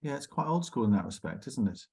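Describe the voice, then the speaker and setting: A man's voice: medium pitch, very animated, quick pace, creaky, a little mellow. A man informally hosting an online discussion, putting chatty, rambling questions to the others over a video call. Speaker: discussion host. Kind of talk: informal online panel moderation.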